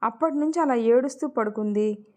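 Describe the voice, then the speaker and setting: A woman voicing a timid young daughter who speaks in a hushed, secretive way. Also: fairly high pitch, a little fast, natural voice.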